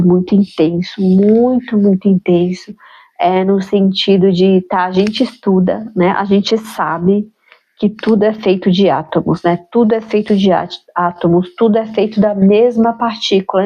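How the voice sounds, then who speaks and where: This spiritual vlogger reflects on her practice in a musing, personal way, often ending her sentences with tag questions. Her mid-range voice is warm but nasal and congested from a cold. The recording is muffled.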